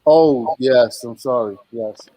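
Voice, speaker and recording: A man's voice: mid-range voice, slow pace, mellow, low-quality recording. A man of fifty, a podcast guest on a video call, laid back and answering in short agreeing replies. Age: 50s. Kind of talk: casual podcast chat.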